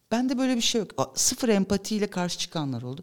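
This woman talks at a fairly quick pace with very wide pitch swings. The recording is very clean, with a silent background. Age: 40s. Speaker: radio host, writer and comedian. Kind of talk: casual interview chat. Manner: animated.

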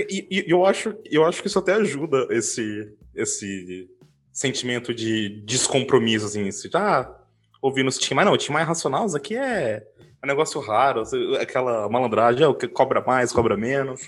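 Speaking at a moderate pace, a man with a medium-pitched voice swings his pitch very widely. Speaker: podcast co-host. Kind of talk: casual chat. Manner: halting.

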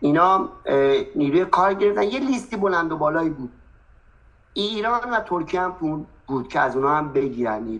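This man has a high pitch and very wide pitch swings. He talks at a fairly quick pace but leaves long, frequent pauses. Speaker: businessman. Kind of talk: casual chat.

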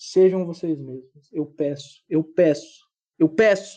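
This man speaks at a high pitch with ordinary pitch variation. His tone is dark and mellow. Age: 20s. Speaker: podcast host. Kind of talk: casual monologue. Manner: animated.

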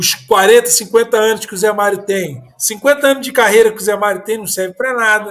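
A high-pitched man speaks at a moderate pace with hardly any pauses, keeping his intonation fairly even while his loudness swings widely. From Rio de Janeiro suburbs, Brazil. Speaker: football talk show host, former goalkeeper. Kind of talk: casual chat.

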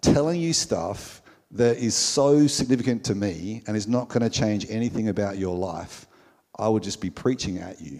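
With an Australian accent, a man talks at a moderate pace in a medium pitch, his dark, mellow tone moving through very wide pitch swings. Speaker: church teacher leading a Bible workshop. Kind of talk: group Bible study teaching. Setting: room with live group audience.

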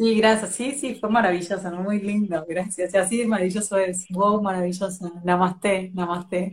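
A woman with a Rioplatense accent speaks at a moderate pace in a medium-pitched, somewhat breathy voice, hardly pausing at all. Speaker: live stream host. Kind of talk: interview. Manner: animated.

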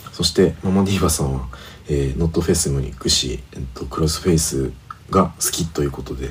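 A man with a very deep, low voice speaks at a fairly quick pace with ordinary pitch variation over noticeable background noise. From Gifu, Japan. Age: 30s. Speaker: podcast co-host, singer-songwriter. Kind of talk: casual chat.

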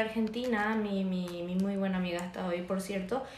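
A woman keeps a moderate pace and fairly even intonation while noticeable background noise plays behind her. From Paraguay, small town near Brazil. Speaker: guest. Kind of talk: casual chat.

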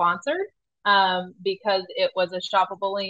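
A woman talks at a moderate pace in a Southern US accent. Her intonation is lively. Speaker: academy coach. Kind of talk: interview, casual chat. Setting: remote call.

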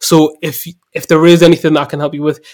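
On a very clean recording with a silent background, a man with an English accent speaks at a very fast pace. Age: 20s. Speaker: engineering student and podcaster. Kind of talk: casual interview.

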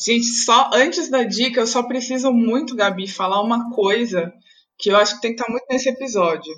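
A woman's plain, everyday voice, fairly high in pitch, with ordinary pitch variation at a fairly quick pace. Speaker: travel influencer. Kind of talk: casual chat.

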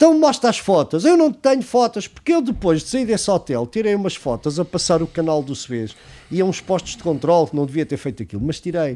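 A man speaks at a very fast pace with very wide pitch swings. His tone is dark and mellow, in a very clean recording with a silent background. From Portugal, Oeste region (Caldas da Rainha). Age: 50s. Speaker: motorcycle traveller. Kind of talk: casual interview chat. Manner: halting, many repetitions.

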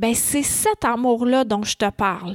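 A woman with a Quebec accent speaks very slowly, her voice dry and close with no echo on a very clean recording against a silent background. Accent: Québécois French. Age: 40s. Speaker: spiritual podcast host. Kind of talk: solo podcast monologue. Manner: casual, animated.

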